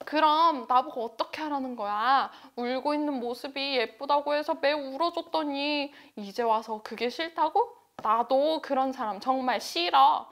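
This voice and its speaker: A woman's voice: sits high, moderate pace, hardly any pauses, fairly bright tone. A woman voicing a young Samaritan wife in a children's story, sighing when left and scolding in anger. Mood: angry. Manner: emotive storybook delivery, sighs and scolds. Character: Samaritan woman, young pretty, hurt and fed up.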